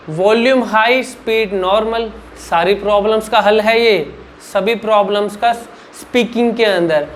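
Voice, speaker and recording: A man explains speech exercises in an emphatic coaching tone. He keeps putting questions to himself, answers them, and checks back with the listener again and again. A faint hiss sits under his voice. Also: sits high. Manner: repeats "ठीक है ना" as a check-in. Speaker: public speaking coach. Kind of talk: instructional vlog talk.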